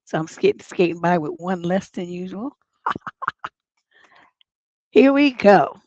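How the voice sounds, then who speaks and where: A woman hosting a relationship advice livestream, hoarse from a cold, chatting in a rambling, self-mocking way before reading out questions. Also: lowish voice, expressive, slow, a little mellow, dry recording, lo-fi sound. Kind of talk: casual livestream advice chat.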